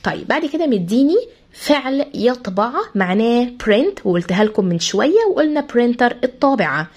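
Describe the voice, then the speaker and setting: A woman with an Egyptian Arabic accent, an English teacher who explains words to pupils and repeats each one slowly, spelling out how the sounds are said. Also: a little high, lively intonation, a little mellow. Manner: addresses pupils as "kids". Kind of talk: vocabulary lesson for pupils.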